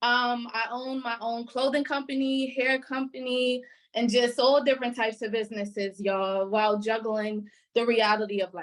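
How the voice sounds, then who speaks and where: A woman's normal speaking voice at a fairly quick pace, with ordinary pitch variation, in a very clean recording with a silent background. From New York. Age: 20s. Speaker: influencer and business owner. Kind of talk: panel discussion.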